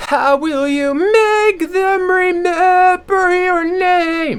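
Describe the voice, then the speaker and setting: A put-on character voice, in an extremely high pitch, sounds strained and guttural. It moves at a very slow pace over light background noise. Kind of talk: voice exercise demonstration. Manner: strained, throat-compensating voice.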